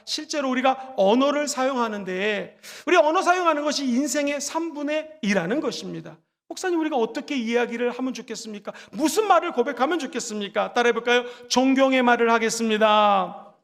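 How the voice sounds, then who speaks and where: A very high-pitched man preaches a sermon in a church sanctuary. He slips into animated voices when acting out quoted lines. His voice rings out with long hall reverb. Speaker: pastor.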